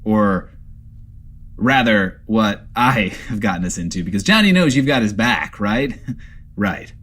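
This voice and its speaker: A man's voice: on the low side, lively intonation, a little slow, fairly bright tone. A man playing an anxious, rambling host of a post-apocalyptic comedy variety webshow, theatrical and hesitant in delivery. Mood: nervous musing. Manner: theatrical, hesitant, self-referring.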